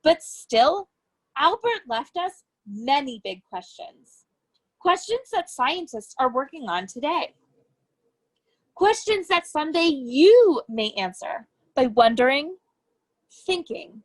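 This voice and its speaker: A woman's voice: high-pitched, sing-song, takes it slowly, no room sound, rough recording. A woman science educator presenting a lesson for young children, explaining things in simple terms as she reads and demonstrates.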